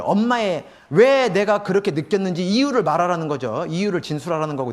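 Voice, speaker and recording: Man, church class teacher, explaining step by step, slightly high voice. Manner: explains steps, acts out a mother's lines. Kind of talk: Bible class lecture.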